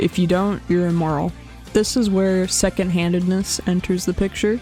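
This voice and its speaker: A woman with a fairly low voice speaks in a fairly even intonation while music plays in the background. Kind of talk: video essay narration. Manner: drowsy, monotone at times.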